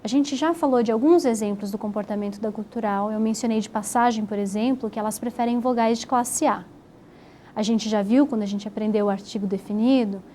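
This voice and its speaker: Woman teacher, patient and explanatory; somewhat high, soft mellow timbre. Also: slight background noise. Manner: patient, explanatory, spells out syllables slowly. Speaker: Hebrew teacher. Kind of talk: recorded grammar lesson.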